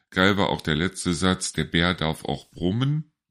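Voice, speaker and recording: Over a silent background in a very clean recording, a man with vocal fry talks at a moderate pace. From Lower Rhine, Germany (Neuss). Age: 50s. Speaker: internet radio host. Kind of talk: solo commentary monologue. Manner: casual, rambling with fillers.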